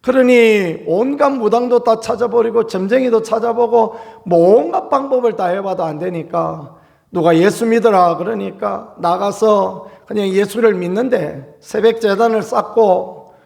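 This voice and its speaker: A male pastor delivers an early-morning sermon. His voice sits high for a man and carries a gravelly rasp. He preaches earnestly and builds to emphatic calls. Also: measured pace, darkish tone. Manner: acts out quoted cries with raised voice.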